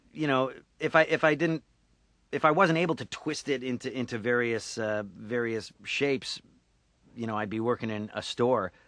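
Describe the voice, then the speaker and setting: In a Syracuse accent, a man speaks at a moderate pace. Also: medium pitch for a man, ordinary pitch variation. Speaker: voice actor. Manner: hesitant, many filler words.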